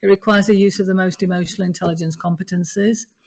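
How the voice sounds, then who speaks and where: A somewhat breathy woman talks fairly quickly at a medium pitch. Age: 60s. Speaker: business coach and leadership speaker. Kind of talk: interview.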